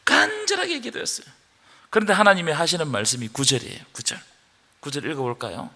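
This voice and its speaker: Man, pastor's sermon, bright piercing tone, long church reverb. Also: a little high, huge pitch swings, fast talker. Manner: impassioned preaching, rising to loud outbursts, prompting the congregation. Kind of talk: sermon at Friday prayer meeting. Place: church sanctuary.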